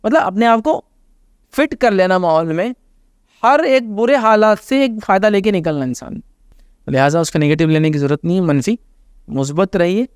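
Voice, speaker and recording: In a high, expressive, resonant voice, a man with an Indian Hindustani accent speaks at a moderate pace as an Islamic scholar. He explains social manners through everyday examples in a conversational advice talk, repeatedly urging listeners to remember. The recording is clear, dry, and of studio quality.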